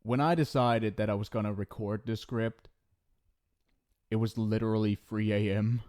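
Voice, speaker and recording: A man's voice: lowish voice, fairly even intonation, moderate pace, a little mellow, dry recording, clean studio sound. A man who makes ASMR roleplays, talking casually in his own voice. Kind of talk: casual chat.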